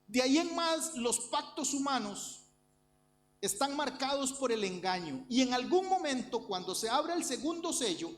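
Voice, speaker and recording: A man preaches with a fairly high voice, speaking straight to his congregation. He drives home each point by repeating phrases in earnest sermon fashion. A faint hum sits under the recording. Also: big pitch swings, normal speed, a bit bright. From Costa Rica. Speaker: pastor. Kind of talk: sermon, Bible study.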